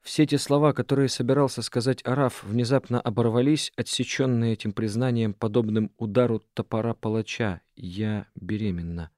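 A man's voice: mid-range voice, steady tone, fairly quick, few pauses, a little mellow, no echo. Man narrating an audiobook, dry. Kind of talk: scripted narration.

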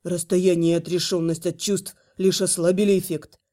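A woman voicing gloomy, fretful young male dragons in a lowered, brooding voice. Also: level tone, moderate pace, mellow, natural voice. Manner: low brooding put-on male voice.

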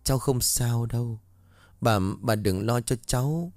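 A man voicing a frightened, nearly thirteen-year-old girl who pleads softly through tears. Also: medium pitch, a little slow, no echo, close to an everyday voice. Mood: weak. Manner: pleading, tearful and soft.

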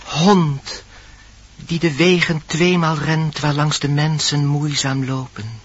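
An actor playing a solemn dwarf with a husky voice, summoning animals in declaimed radio-play verse. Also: male voice, fairly high pitch, fairly even intonation, takes it slowly. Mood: imploring. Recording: dull old radio recording.

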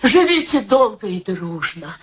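A woman's voice: mid-range voice, very animated, a little slow, a bit bright, a little hiss or hum. An actress playing an elderly, sentimental, pushy mother in a radio drama, talkative and solemnly theatrical. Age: older. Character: ailing, sentimental, pushy elderly mother matchmaking her daughter. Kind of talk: stage-like Russian radio drama acting.

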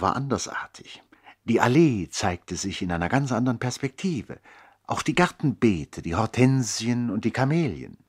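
A reflective narrator in a 1960s radio play. His voice is low and husky, and he tells the family story with measured, literary expression. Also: heavily acted. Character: reflective adult brother recounting childhood memories.

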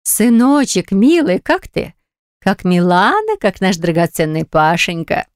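A woman voicing an older mother and grandmother who nags and flares up quickly. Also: medium pitch, no echo, clean studio sound, close to an everyday voice. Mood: doting. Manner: emotional, scolding, nagging.

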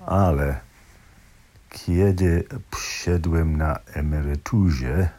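An older man in his sixties or beyond speaks Polish with an English accent, haltingly, with hesitations and repeated, broken-off words, as in a personal voice message. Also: extremely low pitch, warm tone. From southern England. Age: 60s or older. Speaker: language learner sending a recorded message.

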